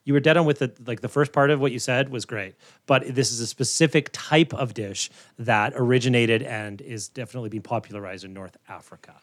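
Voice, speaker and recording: A man's voice: mid-range voice, brisk, few pauses, no echo, clean studio sound. A man co-hosting a food podcast, chatting in an easygoing, encouraging way. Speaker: podcast co-host. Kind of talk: casual chat.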